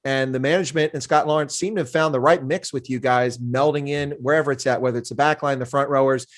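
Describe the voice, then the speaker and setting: A man's voice: medium pitch, steady tone, fast. A middle-aged man hosting a casual sports interview, asking long, rambling questions. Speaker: interview host.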